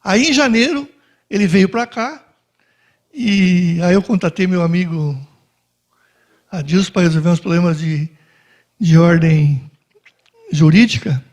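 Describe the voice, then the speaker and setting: A man giving a spoken Christian testimony to a dinner audience, telling his story in an animated way and acting out the voices of the people in it. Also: a little slow, long pauses. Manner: animated storytelling, acts out dialogue with shifts in pitch. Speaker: guest speaker giving a testimony.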